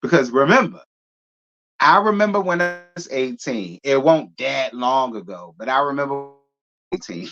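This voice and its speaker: A man's voice: medium pitch, expressive, normal speed, bright, forceful tone, dull audio, faint music behind. Sassy drawling man on a live chat. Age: 30s. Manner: sassy, drawling, laughs often. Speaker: host reading live chat. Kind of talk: casual live-stream chat.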